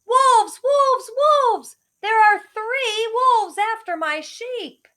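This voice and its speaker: A woman voicing a restless, mischievous young shepherd boy from a children's storybook in an exaggerated, expressive way. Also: very high voice, very slow, voice pushed up, heavily acted. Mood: yelling alarm. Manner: exaggerated, expressive, crying out dramatically.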